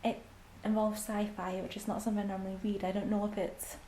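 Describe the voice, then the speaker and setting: Young Scottish woman vlogger, relaxed mellow chatter with ums and soft near-whispers, in a roomy space. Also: medium pitch, quick pace. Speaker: book vlogger. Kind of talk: casual reading vlog. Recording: echoey room with faint background hiss.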